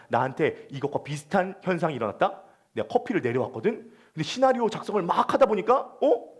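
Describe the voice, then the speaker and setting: A worried middle-aged man who has failed for years to become a film director talks in a low, confiding murmur, as a preacher acts him out. His voice sits high and the words come quickly. He sounds restless and uneasy. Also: husky.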